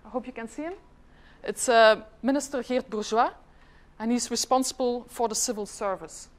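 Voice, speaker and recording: A fairly high-pitched woman's voice at a moderate pace belongs to a middle-aged government department head from Flanders, Belgium. Her first language is Dutch, and she gives a chatty conference presentation while questioning the audience.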